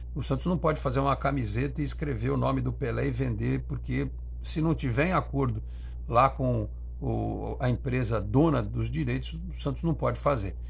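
A man's very deep, low voice with vocal fry and monotone, flat intonation at a moderate pace, over light background noise. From Brazil. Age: 40s. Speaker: sports journalist and football channel host; football commentator. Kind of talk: solo football commentary video; commentary. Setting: radio studio. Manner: hesitant fillers. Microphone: webcam.

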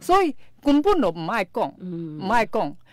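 The woman's voice sounds dry with no echo, set against a quiet background. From Taiwan. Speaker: film director; guest. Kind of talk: radio interview. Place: studio. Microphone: studio mic.

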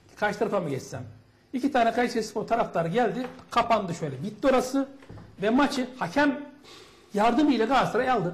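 A man speaks at an extremely high pitch with lively intonation and a fairly quick pace. Long pauses come often. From Turkey. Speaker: football commentator. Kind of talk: sports panel discussion. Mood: critical, storytelling. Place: studio.

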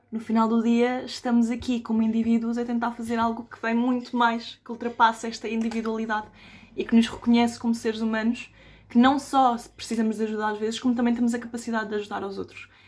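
A woman speaks very fast. Her intonation is a flat monotone. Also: fairly high pitch for a woman. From Colombia. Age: 20s. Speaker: law student and victim support volunteer. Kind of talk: testimony; personal testimony. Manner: hesitant, with frequent fillers. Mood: earnest, grateful. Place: home room. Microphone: webcam.

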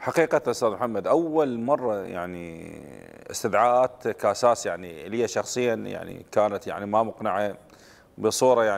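At a medium pitch, a man speaks in an unremarkable speaking voice with lively intonation. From Iraq. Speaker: sports journalist. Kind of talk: football analysis discussion; talk show discussion. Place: studio. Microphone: lapel.

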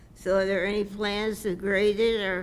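A woman at medium pitch talks fairly slowly in a monotone, flat delivery, with audible room echo. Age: 80s+. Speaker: resident speaking at public meeting. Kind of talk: public comment.

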